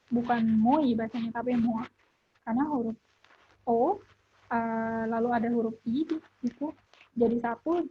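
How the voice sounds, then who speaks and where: A woman teaching a French lesson over a video call, pausing often with filler sounds. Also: a little high, slight background noise. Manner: hesitant, many filler sounds. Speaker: French language tutor. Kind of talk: online lesson. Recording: dull lo-fi audio.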